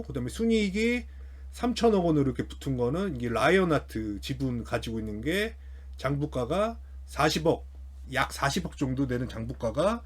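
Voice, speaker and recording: A man hosting a finance commentary, talking through an analysis unscripted and hesitantly, often repeating and restarting his phrases. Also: a little high. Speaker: host of a finance commentary channel.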